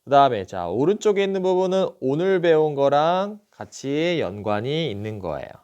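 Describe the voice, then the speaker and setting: A middle-aged male teacher giving a recorded lesson, patiently asking questions and then answering them himself, repeating each syllable slowly and clearly. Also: fairly high pitch, sing-song, a little mellow, highs cut off. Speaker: Japanese teacher.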